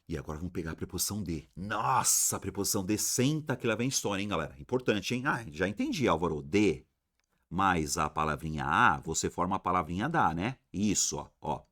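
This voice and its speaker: A man with a Brazilian accent teaching a grammar lesson, slangy and lively, often tossing rhetorical questions at his viewers. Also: low voice. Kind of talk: exam-prep grammar lesson.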